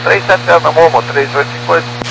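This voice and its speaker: A male airline pilot speaks over the aviation radio in clipped readbacks. His delivery is very quick, and a clear hum and noise run through the transmission. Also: on the high side. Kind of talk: air traffic radio communication. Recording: noisy humming aircraft radio transmission.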